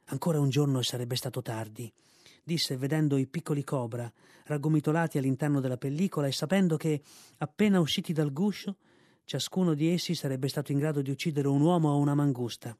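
A man narrating a storybook in a measured, expressive way. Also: on the high side, dry recording, clean studio sound. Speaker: reader. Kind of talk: scripted audiobook narration.

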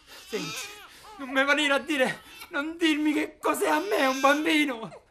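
An actor playing a tense local fixer from Salento, speaking with a Salento accent and breaking into shouts. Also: male voice, high voice, lively intonation, moderate pace, crowd noise. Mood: shouting anguish. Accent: Salento Italian. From Salento, southern Italy. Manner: tense, edgy, shouting in bursts. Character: desperate rough man, hardened local fixer. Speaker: local safari organizer. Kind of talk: short film acting. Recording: noisy location recording.

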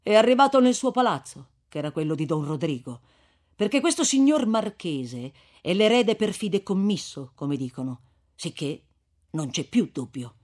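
A man voicing a resolute young man who speaks briskly and eagerly. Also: sits high, big pitch swings, darkish tone.

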